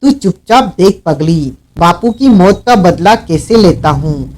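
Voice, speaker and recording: A man's voice: high voice, expressive, unhurried. A man voicing a snarling vengeful outlaw. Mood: taunting. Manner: shouting, snarling threats. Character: vengeful hot-tempered brawny male outlaw. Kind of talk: audiobook character reading.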